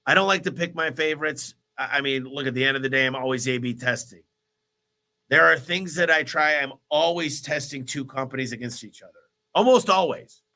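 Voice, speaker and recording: A man hosting a live business Q&A, talking in an energetic, motivational, rambling way while congested with a cold. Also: mid-range voice, brisk. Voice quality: stuffy, nasal. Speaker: host of a business Q&A livestream. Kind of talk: live Q&A answering viewer questions.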